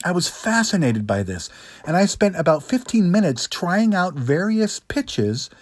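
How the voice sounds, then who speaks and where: A middle-aged man presenting a scripted lesson as a speaking coach, in a practiced higher register with deliberate phrasing and rhetorical asides. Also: sing-song, no echo. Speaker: public speaking coach, host. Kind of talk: scripted instructional monologue.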